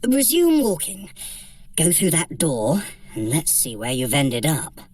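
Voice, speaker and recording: A woman's voice: sits low, huge pitch swings, a little slow, darkish tone, husky, no echo, studio quality, heavily acted. A woman playing a sly, haughty trickster deity in an audio adventure workout, with an arch, droll, condescending delivery. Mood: wry, commanding. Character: sly, haughty trickster deity guiding a mortal through a heist. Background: music.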